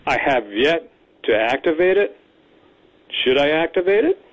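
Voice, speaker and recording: A man's voice: on the high side, animated, moderate pace. A man in his seventies calling in to a radio show over a landline phone, telling a rambling, easygoing story in casual chat. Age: 70s. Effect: heard over a landline phone. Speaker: radio call-in caller. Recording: dull landline phone line.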